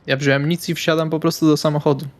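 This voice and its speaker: A man's voice: a little high, level tone, fast. A man playing a tabletop roleplaying game, speaking casual in-character dialogue.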